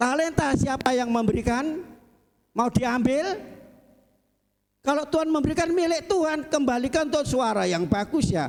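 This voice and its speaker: Moderate pace and lively intonation at very even loudness, with audible room echo. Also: man, extremely high pitch for a man. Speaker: pastor. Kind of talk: sermon. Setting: church service, livestreamed. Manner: occasional stammer.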